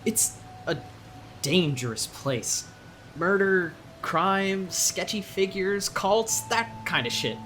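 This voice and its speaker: A woman playing a casual, blunt small-town local in an audio drama, speaking in a halting, animated way. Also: medium pitch, a little hiss or hum. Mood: ominous, scornful. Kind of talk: audio drama, naturalistic dialogue.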